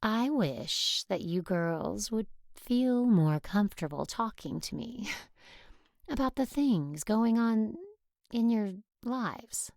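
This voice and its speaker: A woman playing a stern, controlling Catholic nun who teaches, speaking in a measured, formal way in an audio drama. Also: fairly high pitch, lively intonation, gravelly, darkish tone, no room sound, clean studio sound, exaggerated voice. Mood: softly confiding.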